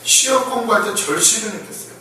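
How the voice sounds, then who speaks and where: A man gives a lively, conversational sermon, acting out the shouting in the story he tells and often breaking into laughter. His voice sits high and bright for a man. He is recorded from a distance in a very echoey church, with faint room ambience behind him. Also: brisk, slight background noise. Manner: animated, acts out the blind men's shouting, laughs often. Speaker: preacher. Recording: echoey room, voice from far off the mic.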